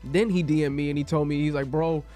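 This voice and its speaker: A man's voice: fairly high pitch, steady tone, quick pace, warm tone, soft background music. A young man chatting as a guest, retelling events by quoting himself and laughing often. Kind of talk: casual interview chat.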